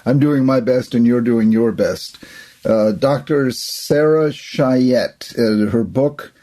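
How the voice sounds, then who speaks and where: Very mellow-voiced man hosting an interview podcast. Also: medium pitch, takes it slowly. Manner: effusive, encouraging. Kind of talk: warm interview conversation.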